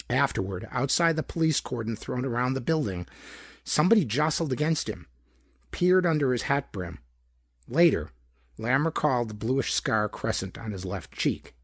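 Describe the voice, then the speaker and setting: Husky, expressive male audiobook narrator. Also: medium pitch, no echo, clean studio sound. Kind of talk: scripted narration of a pulp detective story.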